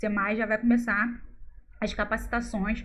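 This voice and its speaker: A woman talks in a somewhat breathy voice with a fairly high pitch. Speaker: grant-writing consultant. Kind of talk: live stream tutorial. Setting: live stream. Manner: fast; casual.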